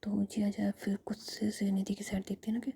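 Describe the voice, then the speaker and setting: A woman's voice: medium pitch, monotone, brisk, gravelly, dark tone, breathy edge. A woman whispering as she tells a family story in a casual, retelling style.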